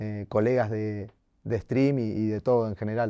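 A man with a Rioplatense accent, dark and mellow in tone, over a quiet background. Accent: Argentine Rioplatense Spanish. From Argentina, Bahía Blanca. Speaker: streamer. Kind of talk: casual interview. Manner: halting with many fillers.

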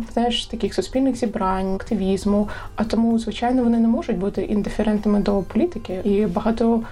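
Over noticeable background noise, a woman speaks at a fairly quick pace with a fairly high pitch, ordinary pitch variation and very even loudness. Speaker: journalist. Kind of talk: casual chat. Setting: studio. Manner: animated.

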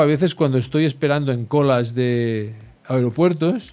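The man speaks in a dark, mellow tone at a fairly high pitch. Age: 60s. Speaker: author. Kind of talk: interview.

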